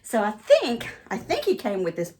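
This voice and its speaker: A woman's voice: fairly high pitch, huge pitch swings, moderate pace, dark tone, a little hiss or hum. A woman ventriloquist and comedian talking casually in a chatty, rambling way as she demonstrates on a vlog.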